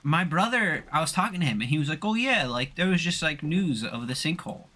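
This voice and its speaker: Bright voiced dude playing a game, super animated, jokey arguing and swearing with his cohost. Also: a little high, fairly quick. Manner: argumentative, sweary banter. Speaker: let's play co-host playing the game. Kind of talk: casual joking game commentary with anecdotes.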